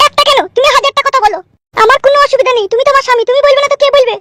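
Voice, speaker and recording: A woman voicing a fussy young wife in a cartoon, shrill and nagging with endless questions. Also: racing, pushed and bright, faint music behind. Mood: curious. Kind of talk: cartoon voice acting.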